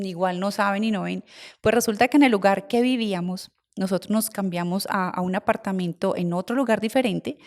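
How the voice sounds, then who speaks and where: A middle-aged woman, a medium recounting her experiences in an interview, emotional and given to repetition. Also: mid-range voice. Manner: emotional, repetitive storytelling with soft asides. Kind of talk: storytelling interview answer.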